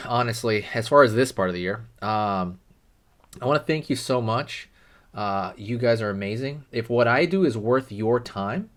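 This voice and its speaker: A man hosting a casual drawing tutorial, talking loosely with lots of fillers and friendly asides while he draws. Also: on the low side.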